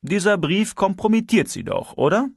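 A man's voice: normal speed, gravelly, slightly rough, dry recording, heavily acted. Male reader playing a teasing ex-cop security chief, lifts his voice, dry audiobook sound. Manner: lively, teasing, raised pitch. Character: shrewd, moralizing male security chief, ex-detective.

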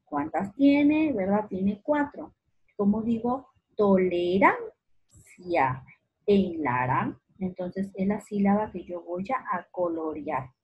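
A woman teaching a remote lesson to young children, slowly stretching out words syllable by syllable and speaking affectionately to the child. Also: medium pitch, expressive, a little mellow, breathy edge, dull audio. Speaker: primary school teacher.

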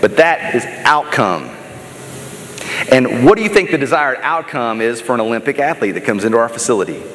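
Speaking at a medium pitch with a fairly bright tone, a middle-aged American man is a little fast and expressive as he delivers a motivational keynote. He tells stories on a large indoor auditorium stage with emphatic, dramatic, conversational energy, and the hall is echoey with noticeable background noise.

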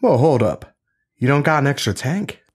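A man's voice: mid-range voice, big pitch swings, normal speed, husky. A man playing a tabletop game, with a laid-back, drawling way of talking. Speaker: tabletop player.

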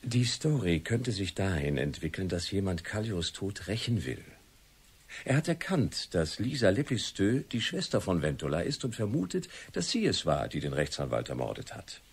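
A confident crime writer in a radio drama. The voice is low and husky, with lively swings of pitch. He sets out his theories in a deliberate, theatrical way. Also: exaggerated voice. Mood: musing, dramatic. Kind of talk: German radio play acting.

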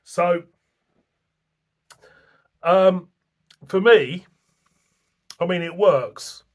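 A middle-aged man talks through a tasting in a loose, chatty way. His voice sits a little high for a man. He is recorded on a desk camera in a small room at home. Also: extremely slow. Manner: chatty, rambling, plain-spoken. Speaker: beer reviewer. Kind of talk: casual beer-tasting review to camera.

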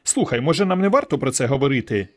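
A man's voice: mid-range voice, expressive, quick pace, natural voice. A man voicing a flirty, teasing alien woman who has slipped into a man's head. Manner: teasing, playful.

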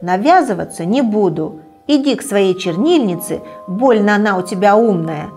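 A woman's voice: medium pitch, expressive, normal speed, a little mellow, soft background music, lightly acted. Woman doing a grumbling pencil boy. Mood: sulky. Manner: grumbling, sulky. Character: grumpy, proud little male pencil.

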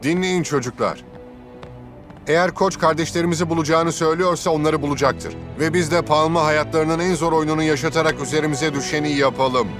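A man's voice: a little high, fairly even intonation, fairly quick, natural voice. A man voicing a determined young team captain rallying his teammates in a cartoon dub. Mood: rousing. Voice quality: rousing, determined. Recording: music behind the voice.

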